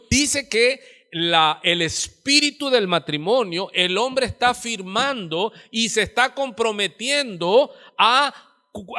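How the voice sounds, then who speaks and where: A male pastor with a Mexican Spanish accent preaching a sermon in church, calling out to the congregation and swinging between loud exclamations and low, hushed asides. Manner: preaching with call-outs to the congregation.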